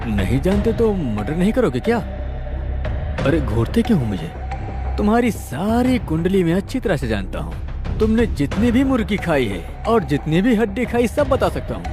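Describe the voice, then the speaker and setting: An actor playing a boastful, teasing young private detective in a dubbed film. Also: male voice, sits high, big pitch swings, moderate pace. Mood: cocky. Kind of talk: Hindi-dubbed film dialogue. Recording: film soundtrack with loud music.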